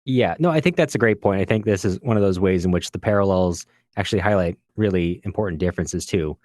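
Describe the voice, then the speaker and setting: A man's voice: deep voice, fast talker, a little mellow, no room sound, studio quality. A man co-hosting a podcast in casual book discussion, agreeable and reflective, building his points piece by piece. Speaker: podcast co-host.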